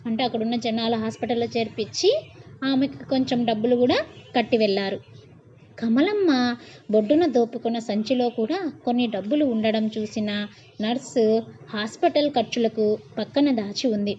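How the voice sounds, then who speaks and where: Woman storyteller, bedtime tale, casual asides, slightly high voice, dull lo-fi audio. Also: normal speed, warm tone, a little hiss or hum. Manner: reads, then retells and explains in casual asides. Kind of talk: colloquial bedtime story narration.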